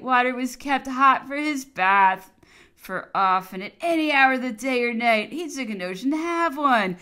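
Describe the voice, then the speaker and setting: A woman reading a memoir aloud in a measured narration, sometimes laughing with amusement. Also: medium pitch, fairly bright tone. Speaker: audiobook reader.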